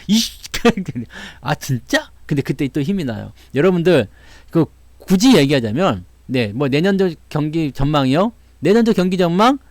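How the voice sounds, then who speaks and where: A man's voice: sits high, no room sound. A man talking casually to viewers about the stock market, telling stories and acting out the voices of people he quotes. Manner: chatty storytelling, acts out quoted voices, laughs often.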